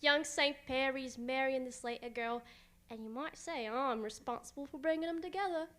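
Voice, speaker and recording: A garrulous, cheerfully boastful village busybody who delivers the post, acted by a woman for radio theatre. The voice is high and forcefully bright, with a folksy, cheeky delivery. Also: normal speed. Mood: proudly chatty. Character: chatty, nosy, cheerfully boastful village postwoman.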